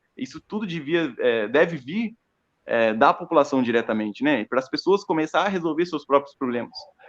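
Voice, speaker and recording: Intonation in this man's speech is lively. His pitch is fairly high. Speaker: web radio host. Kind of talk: political talk show. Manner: fast; hesitant fillers.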